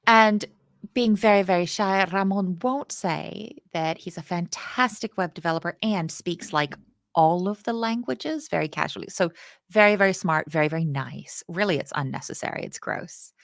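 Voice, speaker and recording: A woman's voice: fairly low pitch, normal speed, vocal fry, no echo, studio quality. A woman from the UK, teaching a casual coding lesson in a playful, chatty, self-deprecating way.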